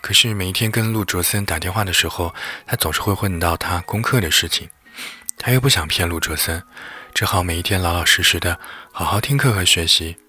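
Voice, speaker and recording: A man narrating a lighthearted bedtime story in a gentle, lively way. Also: deep voice, brisk, slightly rough. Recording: faint background music.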